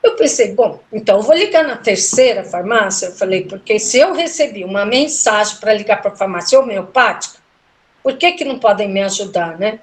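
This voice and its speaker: A middle-aged woman recounting a personal story in a casual interview, animated and emotional, acting out the voices of the people she spoke with. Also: medium pitch, fairly quick. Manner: emotional, animated retelling with quoted dialogue. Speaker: guest telling a personal story.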